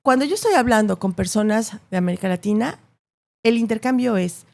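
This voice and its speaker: Gravelly woman, emphatic. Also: a little high, expressive, a little fast, darkish tone. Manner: thoughtful, emphatic, with frequent rhetorical "¿no?". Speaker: journalist guest. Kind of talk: podcast interview answers.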